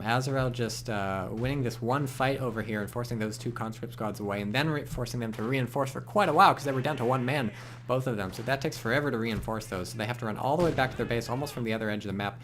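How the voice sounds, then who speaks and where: A young man casting a strategy game match in a rambling, joking way, with excited bursts when the action heats up. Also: medium pitch, slight background noise. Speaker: game commentator. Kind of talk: casual video game commentary.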